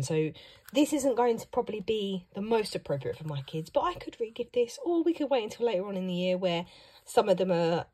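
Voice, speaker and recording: A woman who teaches young children, chatting upbeat through an unboxing vlog while hoarse and losing her voice. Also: mid-range voice, a little mellow. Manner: chatty and upbeat, reacting to each item. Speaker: primary school teacher and vlogger. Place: at home.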